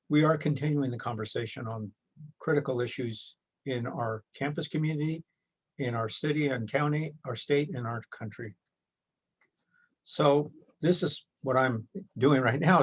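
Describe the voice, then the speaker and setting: A man moderating a workshop on a video call, giving a measured, formal welcome and reading introductions of the speakers. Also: mid-range voice, husky. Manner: measured and formal, reads introductions with occasional restarts.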